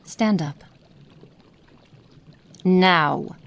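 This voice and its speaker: A woman voicing a cruel, cold witch experimenting on a captive in an ASMR roleplay, speaking slowly and menacingly and slipping into soft whispers. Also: fairly low pitch, a little hiss or hum. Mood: clinical, curious.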